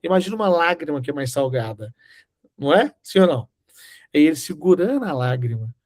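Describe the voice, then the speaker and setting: Animated man telling a testimony. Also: a little high, brisk. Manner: animated storytelling, acting out dialogue. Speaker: Bible teacher. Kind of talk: sermon with personal testimony.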